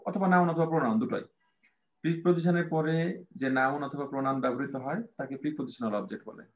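A man's voice: on the high side, quick pace. A man teaching an English grammar class, patient and repetitive, with many fillers. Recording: dull lo-fi sound.

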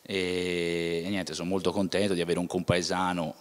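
Low-voiced young footballer, reverby room. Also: male voice, little pitch movement, normal speed. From Tuscany, Italy. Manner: plain, with frequent restarts and filler "ecco". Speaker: footballer, interview guest. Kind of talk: casual interview answers. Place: indoor club museum room. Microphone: handheld mic.

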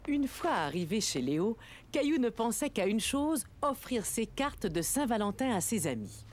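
Animated woman narrating a children's story. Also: on the high side, normal speed, a little hiss or hum. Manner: storytelling, clearly phrased. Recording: music behind.

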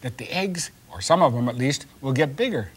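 A man's voice: mid-range voice, animated, a little fast, breathy edge. An older man hosting a children's science show, patiently asking questions and explaining an experiment in a kitchen set. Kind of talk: teaching a child.

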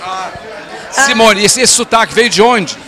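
An older man from Rio de Janeiro with a Rio accent, a TV host briskly interviewing guests backstage with a handheld mic. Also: high voice, crowd noise. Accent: Brazilian Portuguese, Rio de Janeiro. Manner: brisk, promotional, leading questions. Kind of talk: upbeat on-the-spot interviewing. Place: backstage at a theater auditorium, indoors. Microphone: handheld mic held to each guest.

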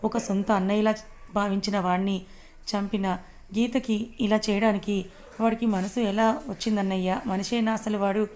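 A woman's voice: mid-range voice, fairly even intonation, moderate pace, a little mellow, slight background noise, natural voice. A woman voicing a distraught middle-aged father, anguished and pleading.

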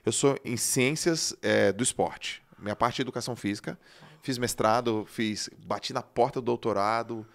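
A man hosting a podcast, telling a personal story in an animated way that swings between loud and hushed, with some casual swearing. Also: mid-range voice, normal speed, creaky. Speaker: podcast host.

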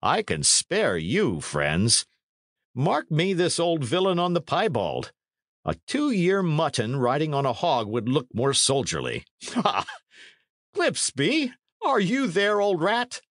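A man's voice: on the high side, huge pitch swings, slow, a bit bright, dry recording, studio quality, pitched above the performer's own voice, heavily acted. A man voicing a blustering, mocking middle-aged knight who jeers and guffaws. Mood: jeering. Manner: boisterous, jeering, laughing.

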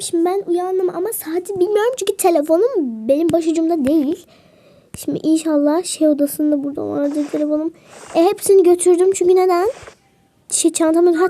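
A woman's voice: sits high, dark tone. A woman hosting a role-play vlog who chats straight to her viewers as she narrates. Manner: chatty, talks straight to viewers.

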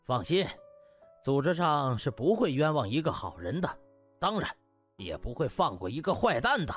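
A man's voice: fairly high pitch, sing-song, moderate pace, breathy edge, soft background music. A man voicing a smug, pompous male hospital boss who speechifies officially with false kindliness, in an audiobook.

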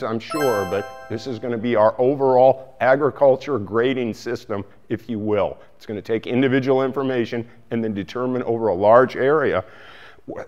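A man's voice: mid-range voice, highs cut off. An older man giving a plain, explanatory talk to farmers in a meeting hall. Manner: plain explaining, some restarts. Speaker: coalition speaker. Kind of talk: presentation to growers. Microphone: far camera, no mic seen.

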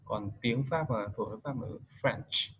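A man tutors one-on-one in a relaxed, unhurried way. His voice sits at an ordinary middle pitch and he leans on soft fillers while he explains. A faint hiss of background noise runs under the recording. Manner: patient, explains slowly with many fillers. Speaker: English tutor. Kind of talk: casual vocabulary lesson.

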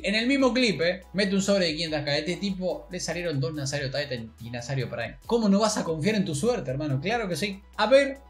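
Young man, Argentine accent, excitable gaming commentary, slangy, slightly high voice, faint background music. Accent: Argentine Spanish. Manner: excitable, slangy, swings between mutters and shouts. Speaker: gaming YouTuber. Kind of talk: pack-opening commentary.

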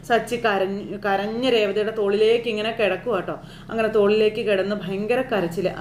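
A woman casually retelling a TV serial episode in a chatty, animated way, often turning to the listener with little asides. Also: mid-range voice, slight background noise. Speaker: serial recap storyteller. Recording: echoey room.

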